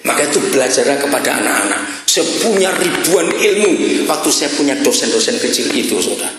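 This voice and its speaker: A man's voice: on the high side, a bit bright, slight background noise. A middle-aged man preaching a sermon. He tells stories with a lot of animation, acts out the dialogue and keeps asking the congregation questions. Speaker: pastor. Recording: echoey hall, live congregation.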